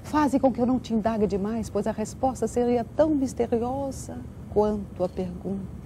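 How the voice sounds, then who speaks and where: A woman's voice: a little high, moderate pace, mellow, a little hiss or hum. A woman speaking earnestly as a guest, in the manner of someone who performs. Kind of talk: earnest interview talk and poetic recitation.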